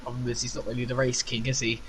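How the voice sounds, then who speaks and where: A man's voice: medium pitch, completely flat delivery, fast talker, a bit bright, a little hiss or hum, low-quality recording. A man hosting a casual racing podcast, chatty and teasing, laughing often. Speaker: podcast host.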